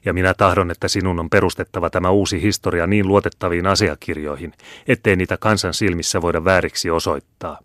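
A man's voice: deep voice, steady tone, fairly bright tone, no echo, clean studio sound. A man voicing a haughty, domineering older Jesuit superior who speaks in a scornful, commanding way in a storybook reading. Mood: thundering.

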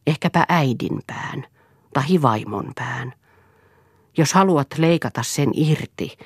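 A woman's voice: a bass voice, husky, no echo, studio quality, heavily acted. A woman reading the part of a defiant, steadfast wife who speaks firmly and resolutely. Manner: firm, resolute. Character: defiant, steadfast wife standing her ground.

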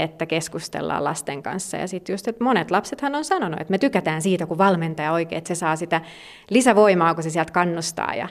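A woman speaking as an expert in a conversational interview, explaining at length with many fillers and restarts. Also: fairly low pitch. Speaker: gymnastics federation expert.

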